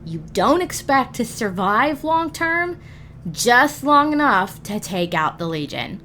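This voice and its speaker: A woman's voice: fairly high pitch, big pitch swings, slow pace, sharp tone, a little hiss or hum. A woman hosting a gaming guide, narrating scripted explanations emphatically and speaking directly to the listener. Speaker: host of a gaming roleplay guide.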